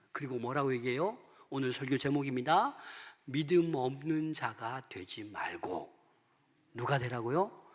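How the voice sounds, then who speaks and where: A male pastor preaching a sermon, with emphatic swings between loud declarations and hushed lines. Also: a little high. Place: church sanctuary. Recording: long church reverb.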